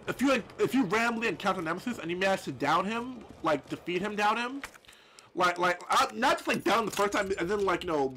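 A man with a noticeable lisp chatters through a horror game playthrough, his voice pitched high and swinging widely. He swears freely and restarts his sentences often. Clear background noise runs under the recording. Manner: swearing, excitable, rambling with many restarts. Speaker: gameplay commentator. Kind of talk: let's play commentary.

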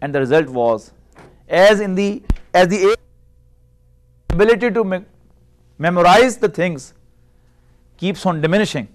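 This classroom lecture comes from a middle-aged Arabic teacher whose native language is Urdu, captured closely by a lapel mic in a small room. Explaining language structure in a high, calm and patient voice, he regularly pauses to put rhetorical questions to the students.

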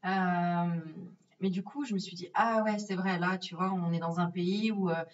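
A woman's voice: lowish voice, fairly even intonation, moderate pace. A woman from France telling a travel story in a casual, chatty way, with many fillers and acted-out asides. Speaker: vlogger. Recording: distant, dull lo-fi sound.

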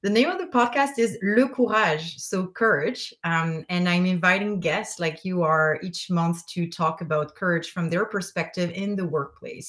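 A woman in her thirties, a French-speaking leadership coach with a clear French accent, talks eagerly over a video call from a bedroom at home. Her voice sits a little low for a woman, and she speaks fluently with small restarts. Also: fairly bright tone. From francophone. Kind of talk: interview talk. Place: bedroom, indoors.

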